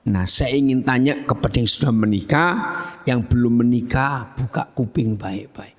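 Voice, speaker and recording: A man preaching a sermon as pastor, lively and humorous, often asking his congregation questions. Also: medium pitch, normal speed. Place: church hall. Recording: long church hall reverb.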